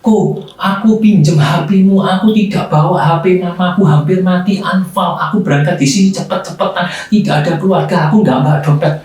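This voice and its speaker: A man voicing a frightened young man pleads in a high, breathless rush. His voice reaches the mic from a distance. It rings around a large echoing hall. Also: normal speed, a little mellow, close to an everyday voice. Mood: desperate.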